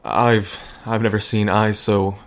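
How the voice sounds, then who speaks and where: A man playing a gentle, nervous bartender who rambles earnestly and hesitantly, in an intimate audio drama. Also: on the low side, little pitch movement, unhurried. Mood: tender, worried. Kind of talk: intimate audio drama acting addressed to listener.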